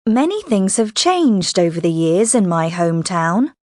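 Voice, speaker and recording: A woman reading scripted answers and sentences for a listening exercise, in a clear, careful way. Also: medium pitch, very animated, measured pace, darkish tone, no room sound, clean studio sound.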